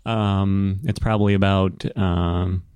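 Male game master, slow, mellow, dry sound, hesitant improvised narration, casual. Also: low voice, fairly even intonation, clear, resonant tone, no room sound. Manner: hesitant, pausing to find words. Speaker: game master and show host.

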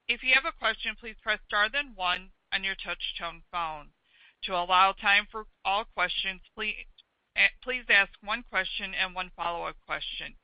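A woman's voice: medium pitch, no room sound, highs cut off. A woman working as a conference call operator, giving scripted instructions in a formal, procedural way.

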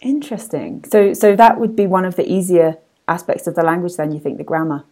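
A woman's voice: lowish voice, brisk, warm tone. A woman hosting a casual podcast interview, attentive and encouraging as she puts questions.

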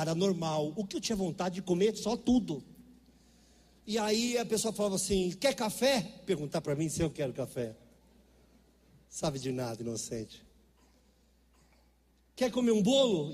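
A man's voice: sits high, brisk, darkish tone, in a large hall. A middle-aged Brazilian man preaching a sermon, telling stories in an emphatic, conversational way. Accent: Brazilian Portuguese. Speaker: pastor. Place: church.

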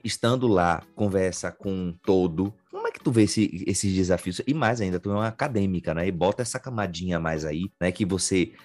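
A man's voice: sits low, brisk, hardly any pauses, darkish tone, soft background music. A man from Bahia with a Bahian accent, hosting a podcast interview in a chatty style full of fillers and restarts. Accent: Bahian Portuguese. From Bahia, Northeast Brazil. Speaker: podcast host. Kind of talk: casual interview chat.

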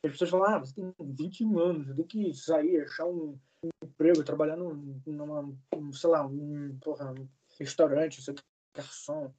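A young man in his early twenties chats casually in an interview. He rambles through his stories with plenty of fillers and the odd swear word, in a voice that sits a bit high for a man. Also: steady tone, normal speed, darkish tone, slightly rough. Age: 20s. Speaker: guest, singer.

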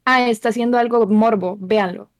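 A young woman from Costa Rica speaks calmly and thoughtfully as a guest in a casual chat. Her voice is fairly high and sits close and dry, with no room sound. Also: a little fast, no room sound. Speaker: content creator guest.

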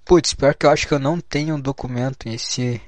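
A man's voice: medium pitch, fairly even intonation, quick pace, dry recording. A young adult man with a Brazilian Portuguese accent, talking casually and bluntly in a monologue, swearing often and reading passages aloud before commenting on them. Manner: blunt, swears often, says "cara" a lot; reads aloud from a book then comments. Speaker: vlogger.

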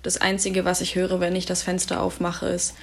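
A woman in her early twenties from Germany, a volunteer talking calmly and thoughtfully in a casual podcast discussion. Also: lowish voice, moderate pace, gravelly. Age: 20s.

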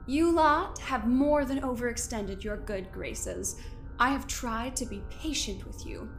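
A woman playing a smug, controlling overseer in an audio drama, delivering measured, condescending threats in a theatrical way. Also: on the high side, soft background music. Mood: stern, disappointed. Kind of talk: scripted audio drama acting.

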